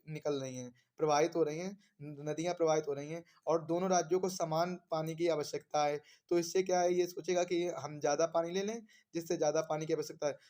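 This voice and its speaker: A man's voice: on the high side, darkish tone. A man teaching an exam-prep lesson, posing questions, repeating them and answering them himself in a didactic way. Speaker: teacher, exam coaching instructor.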